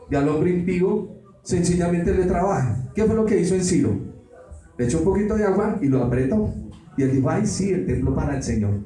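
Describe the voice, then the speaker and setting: Male preacher, dramatic delivery, slightly high mellow voice, picked up from a distance in a reverberant hall. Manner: dramatic, acts out quoted voices, rhetorical questions. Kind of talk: Bible study sermon. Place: church meeting hall. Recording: echoey hall, distant mic, faint ambience.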